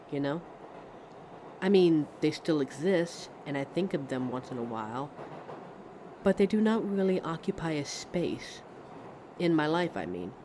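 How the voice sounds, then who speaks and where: A woman's voice: low voice, a little mellow, heavily acted. A woman playing a friendly, lonely train passenger in a hesitant, reflective ASMR roleplay monologue, chatting to a stranger. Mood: wistful, musing. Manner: hesitant, musing, reflective, trailing off. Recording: vehicle noise behind voice. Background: train ambience sound effects.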